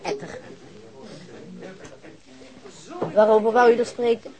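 A woman's voice: fairly high pitch, fairly even intonation, fast talker, mellow, natural voice. An actress playing a brash, distrustful woman from the criminal fringe in a radio crime drama, curt, coarse and defiant. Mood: defiant, irritated.

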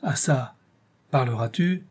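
A man's voice: mid-range voice, expressive, takes it slowly, darkish tone, husky. A man voicing a proud, irritable older professor in an audiobook, who asks brusque, impatient questions.

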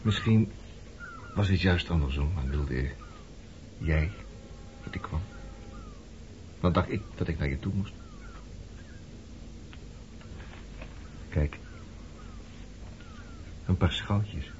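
A man's voice: extremely low pitch, slow, pauses often, a little mellow. An actor playing a brooding former resistance man turned skipper, probing and bitter with an old lover in a radio play. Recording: dull, noisy old radio play recording.

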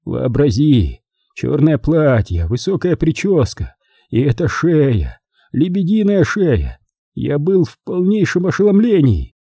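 A man's voice: fairly low pitch, huge pitch swings, moderate pace, hardly any pauses, mellow, husky, no echo, studio quality, exaggerated voice. A man voicing a theatrical, despairing middle-aged uncle who wails and exclaims in an audiobook. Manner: melodramatic, wailing and exclaiming. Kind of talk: audiobook character reading.

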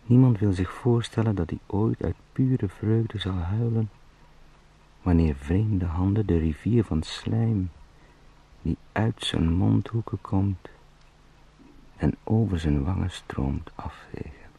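An actor playing an anxious travelling salesman turned helpless beetle in a halting, introspective radio drama monologue that drifts into whispers. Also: low voice, creaky, dark tone, husky, full character voice, rough recording. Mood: bitter, pained.

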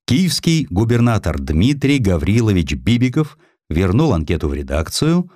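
Low-pitched, animated male audiobook narrator. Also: moderate pace, no echo, studio quality. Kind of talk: dramatic scripted narration of history.

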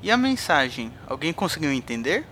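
Man playing high, bright Brazilian crewman. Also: sing-song, fairly quick, a little hiss or hum. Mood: worried. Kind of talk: audio drama acting.

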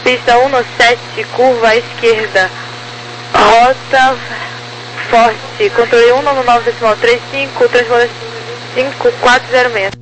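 A woman's voice: on the high side, steady tone, unhurried, rough recording. A woman with a Brazilian accent working as an air traffic controller, giving procedural instructions over the radio. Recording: faint hum and radio noise.

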